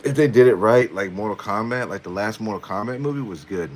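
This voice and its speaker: Deep-voiced playful man on a live stream. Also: fast, a little hiss or hum, poor audio. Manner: playful, chuckling, answers viewer questions. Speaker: tarot reader, live stream host. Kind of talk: casual live stream chat.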